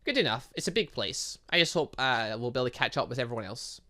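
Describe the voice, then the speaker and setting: Young academy student, read by a gamer: earnest, hesitant, bright, with lively pitch swings. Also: fast talker. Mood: polite. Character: eager, easily flustered young student at a huntsman academy.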